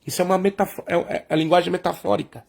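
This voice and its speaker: A man preaches in a high-pitched, steady voice that is gravelly yet a little mellow, and he talks fast. He raises his own questions and then answers them. Throughout, he calls the congregation brothers and sisters.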